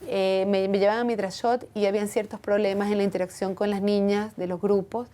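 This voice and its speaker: A woman talks as an interview guest, earnest and reflective. Her voice is warm and mellow, and her pitch sits in the middle range. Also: little pitch movement, fairly quick. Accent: foreign accent when speaking Hebrew. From from outside Israel.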